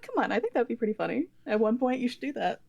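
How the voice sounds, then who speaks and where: A woman's voice: on the high side, lively intonation, fast talker, creaky, a little mellow, highs cut off. A young woman guesting on a stream, laughing often and egging the host on. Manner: giggly, encouraging. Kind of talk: casual chat.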